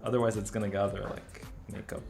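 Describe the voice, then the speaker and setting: Relaxed man explaining makeup as he works. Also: on the low side, creaky, faint music behind. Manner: relaxed, chatty, with quick self-corrections and light laughs. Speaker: makeup artist. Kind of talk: explaining a makeup routine while working.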